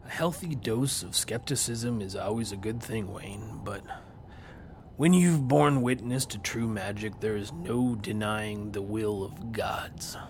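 A man's voice: on the low side, measured pace, slight background noise. A man narrating as a solemn Viking warrior. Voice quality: solemn, hushed. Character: grave Viking warrior man recounting his past. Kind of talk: dramatic first-person narration.

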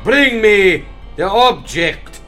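A man's voice: high voice, animated, extremely slow, pushed and bright, soft background music, full character voice. An actor playing a proud, menacing old king, commanding and sneering in an audio drama. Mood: scornful. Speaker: villain.

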